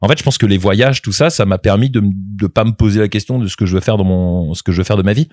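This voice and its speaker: A man's voice: fairly low pitch, fast, darkish tone, dry recording, clean studio sound. A man in his thirties, a voice actor being interviewed, talking casually with many fillers and restarts. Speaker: voice actor guest.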